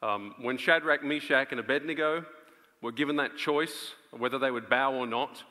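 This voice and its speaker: A man in his thirties preaching an earnest, emphatic live sermon with dramatic pauses on a large auditorium stage. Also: medium pitch, pushed and bright. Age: 30s. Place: on stage in a large theatre before an audience. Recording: reverberant large auditorium sound.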